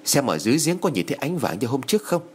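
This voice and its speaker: A man voicing an anxious, scowling village husband, talking loudly and impatiently. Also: medium pitch, big pitch swings, slight background noise, pitched above the performer's own voice, close to an everyday voice. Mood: irritated. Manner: loud, exasperated, quick.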